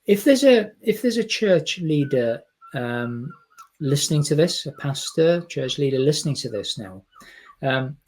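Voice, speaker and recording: A man's voice: fairly high pitch, very animated, measured pace, a little mellow. A man hosting an interview, summarizing his guest's points and asking follow-up questions. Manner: summarizing and rephrasing guest's answers. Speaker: podcast host.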